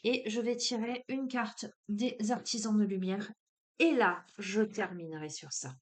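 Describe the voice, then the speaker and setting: A woman's voice: mid-range voice, a little slow. A woman with a southern French accent, giving a spiritual card reading. She talks hesitantly with many fillers, then turns emphatic. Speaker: oracle card reader.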